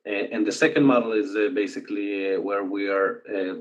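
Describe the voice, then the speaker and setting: A man with an Israeli accent giving a conference presentation remotely, speaking haltingly with many filler sounds. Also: on the low side, steady tone. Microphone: video call. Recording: dull lo-fi video call audio.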